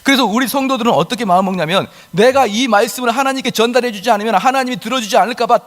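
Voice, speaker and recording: A man's voice: very high-pitched, very fast, fairly bright tone, long reverb tail. A male pastor preaching a sermon emphatically, with rhetorical questions and acted-out quotes. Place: church sanctuary.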